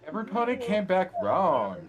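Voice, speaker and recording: Young female pony, played by a man; high-pitched valley girl, hesitant and ditzy, for cartoon-style audio drama. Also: huge pitch swings, moderate pace, music in the background. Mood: dismayed. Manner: valley girl drawl, hesitant, breaking into giggles.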